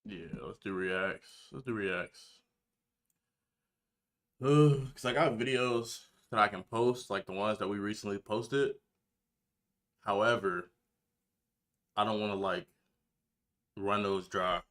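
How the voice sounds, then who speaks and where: Talking slowly and pausing often, a nineteen-year-old man chats to his livestream viewers in a relaxed, slang-heavy style while setting up. His voice is fairly low and a bit bright; he's a gamer and reaction video maker.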